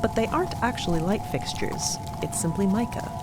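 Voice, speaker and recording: A woman co-narrating a fiction podcast, measured and descriptive, with casual asides. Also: mid-range voice, big pitch swings. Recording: loud music bed under narration.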